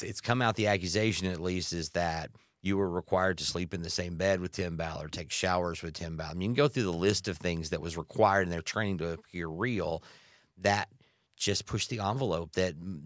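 A man's voice: sits low, no room sound, clean studio sound. A man speaking as an interview guest, impassioned and opinionated, stressing key words and throwing out rhetorical questions. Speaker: guest speaking on anti-trafficking work.

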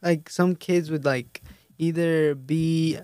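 A woman in casual conversation, talking in a halting, reflective way with filler words. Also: low-pitched, steady tone, darkish tone, dry recording. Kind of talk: casual chat.

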